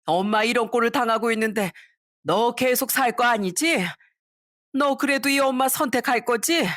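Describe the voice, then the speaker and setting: A drunk, grasping older mother-in-law, as a woman reader puts her on wails and drags out her words in a raised, slowed voice. The sound is dry and close, in the manner of a storybook reading. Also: fairly high pitch, fairly bright tone, dry recording, close to an everyday voice. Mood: wailing. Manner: slurred, wailing, dragging words.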